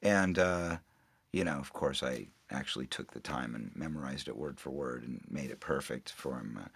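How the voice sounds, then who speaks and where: A man, an actor looking back on making a film in a relaxed interview, chatty and quick to laugh, acting out what others said. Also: very deep voice, creaky, slightly rough, no room sound. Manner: chatty, laughs often, acts out quoted people.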